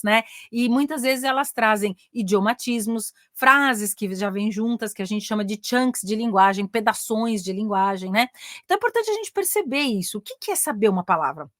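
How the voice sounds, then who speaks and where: A woman's voice: a little high, a bit bright, no room sound, clean studio sound. A middle-aged Brazilian woman with a Brazilian Portuguese accent, an English teacher and career mentor giving a casual online lesson, often tagging her sentences with "né?" and pressing her points eagerly. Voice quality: chatty, frequent "né?" tags.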